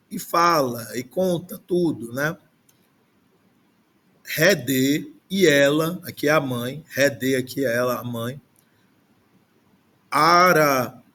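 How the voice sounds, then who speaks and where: Male language teacher, slightly higher voice, slow and patient delivery, glosses words one at a time. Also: a bit bright. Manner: slow, patient explaining with frequent "né?". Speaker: Greek teacher. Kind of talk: online language class.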